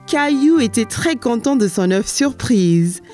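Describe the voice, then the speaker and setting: A woman narrating a children's cartoon in a calm, even storytelling manner. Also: on the high side, unhurried. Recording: narration over soft music.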